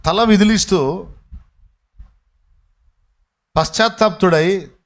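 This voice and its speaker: A man preaching a sermon as pastor, telling a story and acting out its voices with sudden loud and hushed turns. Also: sits high, moderate pace.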